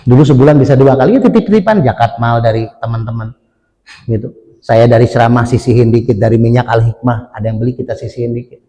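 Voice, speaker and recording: A middle-aged man preaching in a mosque, speaking, swinging between loud emphatic lines and quiet asides. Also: medium pitch, fast talker. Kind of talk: mosque sermon. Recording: long hall reverb.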